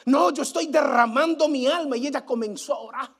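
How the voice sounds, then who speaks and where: A man's voice: extremely high pitch, fairly quick, creaky, a bit bright. A male pastor preaching a sermon, emphatic and repetitive, asking his congregation rhetorical questions. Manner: emphatic preaching, repeats phrases for weight.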